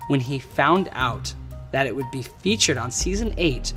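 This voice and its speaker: A man's voice: medium pitch, expressive, a little slow. A man hosting a true crime show, narrating casually with wry jokes and slang asides. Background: background music.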